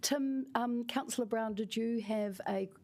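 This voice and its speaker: A woman's voice: on the high side, measured pace, a little mellow. Friendly New woman chairing. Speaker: meeting chair. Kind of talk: chairing a meeting.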